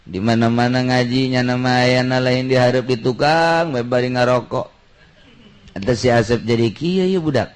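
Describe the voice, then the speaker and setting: A man's voice: mid-range voice, normal speed, clear, resonant tone. A man preaching through humorous storytelling, colloquial and acting out dialogue as he goes. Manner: colloquial, animated shifts between character voices. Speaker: Islamic preacher.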